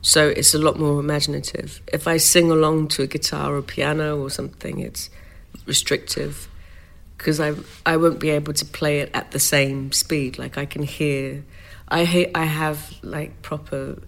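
A woman's voice: low-pitched, flat delivery, moderate pace, creaky. A woman singer being interviewed, talking casually and rambling with lots of "like" and "um".

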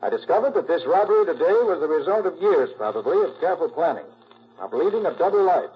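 A man's voice: on the high side, slightly rough. A man playing a confident, shrewd master detective in a 1940s radio drama, decisive and authoritative. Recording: muffled, noisy old 1940s radio recording.

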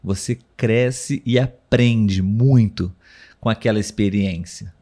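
Man, brazilian portuguese accent, podcast host, very unhurried, pauses often. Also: fairly low pitch, mellow. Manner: slow, thoughtful, many pauses and fillers. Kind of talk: live podcast conversation.

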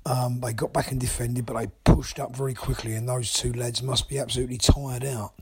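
A man enthusiastically leaving a voice message as a caller to a fan show, pausing with frequent ums. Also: mid-range voice, little pitch movement, heavy background noise. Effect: recorded voice message. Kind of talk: casual fan phone-in.

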